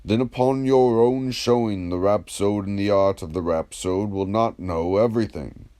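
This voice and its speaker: A man reading the part of a patient, ironic, probing philosopher in a dramatised dialogue, in a measured, declamatory, questioning manner. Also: on the low side, mellow, natural voice.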